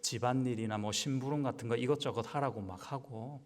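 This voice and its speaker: A man's voice: medium pitch, a little fast. A man pastor preaching a Wednesday sermon in a conversational style, asking the congregation rhetorical questions. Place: church sanctuary. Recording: long church hall reverb.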